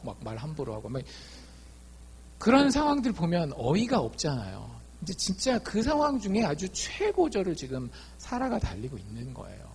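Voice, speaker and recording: A man preaching a sermon as a pastor, lively, acting out quoted dialogue in his talk. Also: medium pitch, creaky, slight background noise. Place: church.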